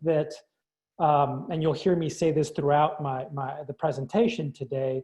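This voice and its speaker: The background is quiet. A man speaks with a fairly high pitch. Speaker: health psychologist. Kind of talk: lecture. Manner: fast.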